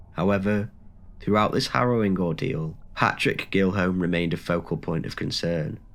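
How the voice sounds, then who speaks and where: A man with a bad cold, reading a scripted documentary narration in a measured, even way as the channel's host. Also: low voice.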